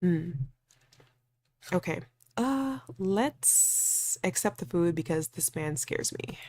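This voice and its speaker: A woman doing a let's play, reading a visual novel aloud and reacting with animated, exasperated casual asides. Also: on the low side, takes it slowly.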